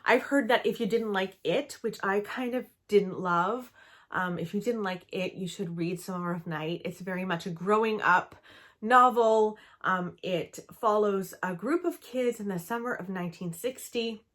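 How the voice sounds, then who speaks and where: Chatty, upbeat young woman book vlogger. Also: medium pitch. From Canada. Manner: chatty and enthusiastic, frequent "um" and "like". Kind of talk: casual book-review vlog.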